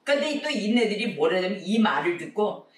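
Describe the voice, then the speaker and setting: Man, pastor, lively sermon, echoey room, distant mic. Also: sits high, moderate pace. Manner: animated storytelling, acts out quoted voices. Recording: echoey room, recorded from far off.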